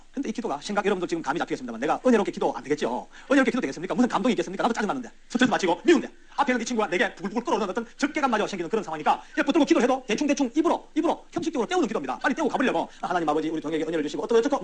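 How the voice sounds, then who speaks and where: Fast, lively preacher man. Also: sits high. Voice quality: wide swings from loud to hushed. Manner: animated, conversational, talks straight to the audience. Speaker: church elder giving a testimony. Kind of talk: storytelling testimony sermon.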